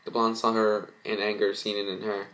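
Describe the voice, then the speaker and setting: Guy reading a fanfic out loud, kinda stumbly, amateur narration. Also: on the low side, completely flat delivery, low-quality recording. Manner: halting, stumbles over words. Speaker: fan fiction reader. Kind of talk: amateur dramatic story reading.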